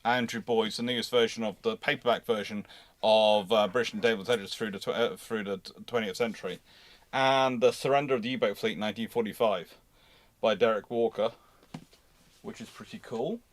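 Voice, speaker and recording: A man's voice: on the low side, fairly even intonation, fairly quick. A man hosting a casual live question-and-answer talk, often breaking off and restarting as he speaks. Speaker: host of a naval history livestream.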